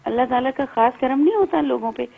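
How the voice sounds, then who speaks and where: A woman calling in to a talk show, hoarse from a sore throat, speaking hesitantly with many pauses. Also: high-pitched, animated. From Pakistan. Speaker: caller. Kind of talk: phone-in call. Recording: muffled lo-fi phone line.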